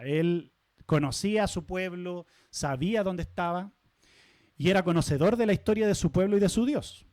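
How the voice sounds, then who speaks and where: A man preaching from the pulpit in a high-pitched voice. He keeps it conversational, stopping to ask the congregation questions and tossing in light asides. The sound is dry and close, with almost no room echo. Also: a little mellow. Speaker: pastor. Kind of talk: sermon. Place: church sanctuary.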